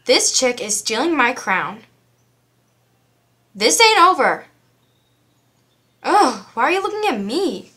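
A woman's voice: high-pitched, very animated, slow, pauses often, bright, forceful tone, husky, exaggerated voice. A woman voicing a jealous, hostile diva girl with a snappish manner in an amateur series audition. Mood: indignant.

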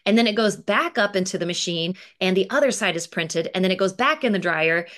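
Her voice is medium-pitched, brisk, and fairly bright. As a picture book author in her forties, she's reading aloud and casually explaining to children over a video call, speaking expressively from an indoor room with bookshelves.

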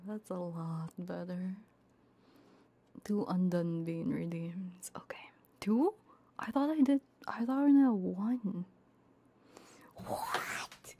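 A woman livestreamer chatting casually with viewers in a giggly, bantering way, often slipping into soft ASMR whispers. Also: fairly low pitch, takes it slowly, pauses often, husky.

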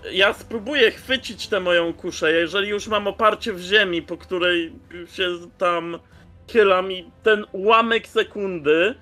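High-voiced man, bright and halting. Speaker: player in a tabletop role-playing game. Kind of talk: casual game-table talk. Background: faint background music.

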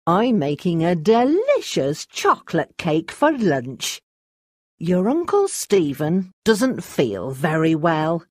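A narrator voicing a big, cold, falsely polite woman housekeeper in a storybook, deliberate and commanding. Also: mid-range voice, huge pitch swings, no room sound, clean studio sound, voice pushed up, heavily acted. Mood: falsely sweet. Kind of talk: acted storybook dialogue.

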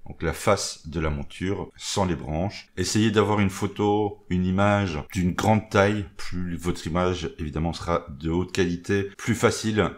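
A man talking through a software tutorial in a relaxed way, narrating each step as he goes with little interjections and stumbling over English terms. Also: deep voice, unhurried, few pauses. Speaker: maker explaining a software tool. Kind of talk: screen-recorded tutorial.

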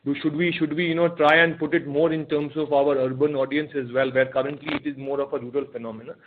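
A man with an Indian accent answering questions as an executive on an earnings call, speaking haltingly and repeating his phrases. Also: fairly high pitch, flat delivery, slight background noise. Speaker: company executive answering analysts. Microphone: telephone conference call. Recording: narrow, tinny phone conference line.

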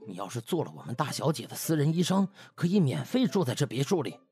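A man's voice: mid-range voice, sing-song, quick pace, mellow, soft background music, natural voice. A man voicing a desperate, pushy butler in an audiobook, stammering and pleading in colloquial speech. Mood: excited, urging. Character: anxious, desperate, pushy male household butler.

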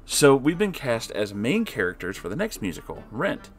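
A man reading an online story aloud, adding sarcastic asides to the listener in a lively voice that swings between loud and quiet. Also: medium pitch, normal speed, faint music behind. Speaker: story reader.

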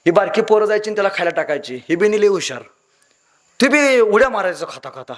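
With a high, animated voice at a quick pace, this young man from Maharashtra gives a motivational talk. He plays it dramatically, voicing characters in his anecdotes and moving through emotional highs and lows.

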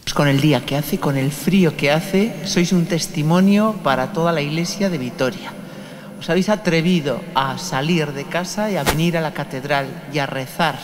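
A middle-aged man with an accent from Spain, a priest speaking and praying at Mass in an echoing cathedral, sometimes halting and repeating words. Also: fairly high pitch. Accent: Spanish from Spain. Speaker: Catholic priest leading Mass. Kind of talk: homily and liturgical prayer. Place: large stone cathedral, indoors. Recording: long cathedral echo with noise.

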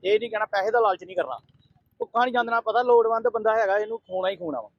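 Fast-talking man running a food stall. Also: sits high, dry recording, highs cut off. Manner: earnest, repeats himself. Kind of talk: casual interview.

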